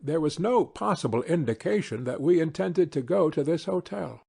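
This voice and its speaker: Guy doing a polite practical country doctor in an audiobook, matter-of-fact, slightly rough voice. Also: a little high, lively intonation, normal speed, warm tone, full character voice. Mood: earnest. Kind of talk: audiobook character reading.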